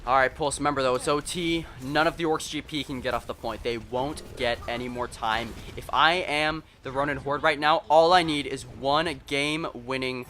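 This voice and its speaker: Bright-voiced excited esports play-by-play man. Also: mid-range voice, faint music behind. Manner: fast, excited play-by-play that rises at big moments; self-deprecating and chatty with co-caster. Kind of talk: live esports commentary.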